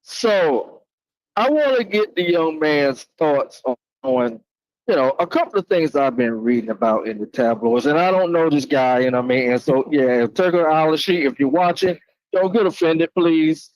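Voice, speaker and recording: A man chatting casually as a panelist, halting and roundabout, often saying "you know". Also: fairly high pitch, animated, no echo, rough recording. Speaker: panelist asking a question. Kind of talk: casual chat.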